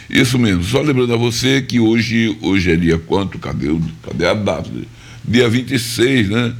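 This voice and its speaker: A man from northeastern Brazil, hosting a live radio music show, slightly hoarse and chatty, repeating details for listeners. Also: fairly low pitch. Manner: chatty, repeats phone numbers and tags lines with "viu?" and "né?". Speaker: radio host. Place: radio studio.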